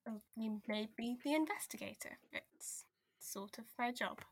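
A woman's voice: a little high, unhurried, husky. A woman playing an exasperated but caring investigator in an audio drama, blunt yet hesitant when earnest. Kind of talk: audio drama table read.

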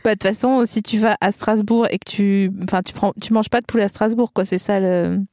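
A woman's voice: mid-range voice, steady tone, a little fast, darkish tone, no echo. Young woman from the vosges, teasing chatty podcast talk, dry close sound. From eastern France, Vosges. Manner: chatty, teasing, breaks into mock regional accents. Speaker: podcast co-host. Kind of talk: casual chat.

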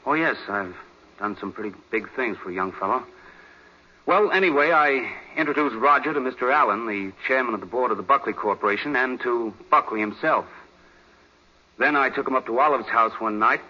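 A dull vintage radio recording of a resentful young American man. His voice is very sharp and forceful with a husky edge, bitter and boastful. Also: mid-range voice, fairly quick. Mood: boastful, confiding. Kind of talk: 1940s radio drama acting.

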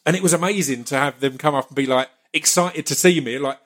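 A man's voice: a little high, fast talker, a bit bright. A man with an Essex accent chatting casually as a podcast host, often repeating words as he gets his thoughts out. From Essex, England. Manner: stammering repetition of words as he talks.

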